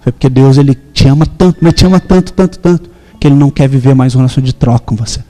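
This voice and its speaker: A man's voice: mid-range voice, very fast, dark tone, big-room sound. A man in his thirties with a Brazilian accent, a pastor preaching a sermon and telling a story with emphatic quoted dialogue. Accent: Brazilian Portuguese.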